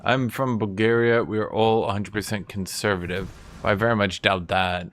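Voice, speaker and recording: A man's voice: on the low side, steady tone, normal speed, fairly bright tone, slight background noise. A man streaming a game, chatting casually and rambling to his viewers. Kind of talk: casual chat while gaming.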